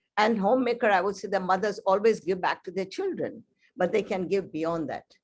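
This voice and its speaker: Speaking at a moderate pace, a woman's voice carries vocal fry. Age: 70s. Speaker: educator and counselor. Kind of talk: speech at a book event.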